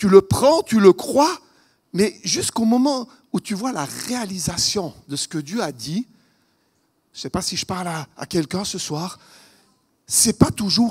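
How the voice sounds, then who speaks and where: A man's high-pitched voice with very wide pitch swings and big swings in loudness, very slow, with long, frequent pauses, in a dry, close sound with no echo. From Switzerland, canton of Vaud. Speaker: preacher. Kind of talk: sermon. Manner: halting, many repetitions.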